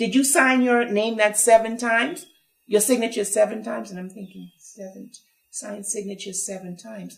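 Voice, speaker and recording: A woman is speaking. Her pace is moderate. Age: 60s. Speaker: timeshare owner giving a complaint. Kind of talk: testimony. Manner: emphatic.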